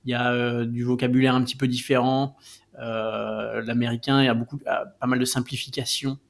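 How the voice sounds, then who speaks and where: A man's voice: medium pitch, little pitch movement, a little fast, gravelly. A man explaining things as a guest in a casual interview, with lots of fillers and restarts. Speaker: guest, co-founder of a language site.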